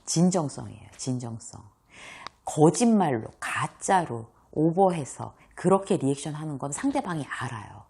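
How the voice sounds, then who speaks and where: A woman teaches viewers in a lively lecture, acting out examples and laughing often. Her voice sits low and has a gravelly, husky grain. Her pitch moves a lot as she talks. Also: moderate pace. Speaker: host and workplace communication coach. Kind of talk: talking-head lecture.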